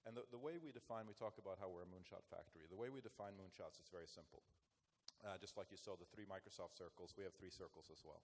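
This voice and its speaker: A man speaks from a conference stage. His voice sits very low, and he talks reflectively and earnestly as a panelist. Faint room noise is heard behind him. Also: fast talker. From Norway. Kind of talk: panel discussion answer.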